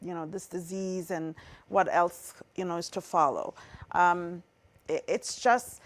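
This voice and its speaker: A woman's voice: on the low side, fairly even intonation, measured pace. A middle-aged woman from Trinidad and Tobago, a guest talking earnestly and reflectively in an interview, with many fillers. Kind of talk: interview conversation.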